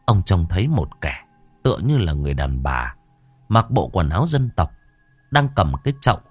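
A man tells a horror story. His delivery is dramatic and suspenseful, with wide swings in pitch. The sound is dry and close, with faint music underneath. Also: sing-song, moderate pace, husky, no room sound. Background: faint background music.

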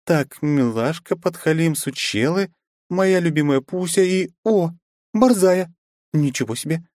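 A man voicing a bubbly, pushy young woman in an audiobook, speaking high and gushing. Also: lively intonation, measured pace, darkish tone, no room sound, clean studio sound. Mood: bubbly bossy.

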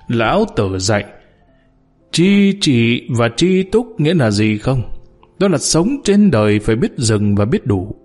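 A man's voice: mid-range voice, darkish tone. A man voicing a bitter underling who mocks, accuses and wails at his old boss. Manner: mocking, accusing, wailing. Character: bitter downtrodden male underling, scornful, sobbing.

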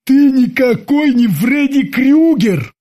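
A man voicing a hot-headed sailor who yells slow, drawn-out threats. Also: high voice, lively intonation, slightly rough, heavily acted. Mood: furious. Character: hot-headed male sailor, shouting and armed.

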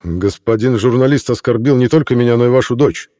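A man's voice: medium pitch, brisk, dark tone, dry recording, clean studio sound, voice pushed up, lightly acted. A man voicing a proud police inspector who speaks in a stern, formal way. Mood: indignant. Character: proud male police inspector, indignant gentleman.

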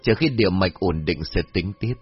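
Man doing old exorcist master, grave, measured, husky, dull lo-fi audio. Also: sits low, expressive, soft background music. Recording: dull lo-fi recording.

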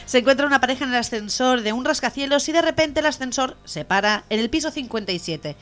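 A woman's voice: high-pitched, quick pace, soft background music. A woman, co-hosting a radio comedy show and telling jokes, squealing as she acts out the voices in them. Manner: animated, squeals when acting out voices. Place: radio studio, faint music behind.

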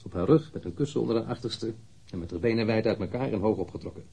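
An actor playing a blunt, candid man in his thirties, a witness answering police questions matter-of-factly in a husky voice in a radio drama. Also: fairly low pitch, fast, dark tone. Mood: frank, blunt. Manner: matter-of-fact, precise, blunt. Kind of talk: radio drama interrogation acting.

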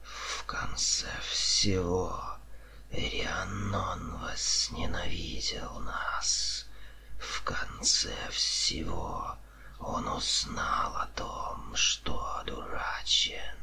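A man voicing a mocking, arrogant serpent-man leader in an audiobook, in a soft, hissing whisper with a haughty, drawn-out delivery. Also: deep voice, little pitch movement, exaggerated voice. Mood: scornful. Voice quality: breathy whispering hiss, soft. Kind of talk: audiobook character voice.

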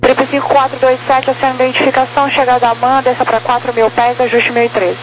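A woman controller reads out clearances in brisk, clipped radio phrasing. Her voice sits a little high and comes through a hissing radio channel. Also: flat delivery, rough recording. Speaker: air traffic controller. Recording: radio transmission with loud noise.

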